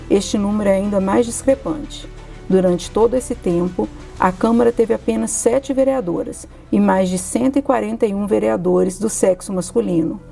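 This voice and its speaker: A woman giving steady, formal scripted documentary narration. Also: mid-range voice, gravelly.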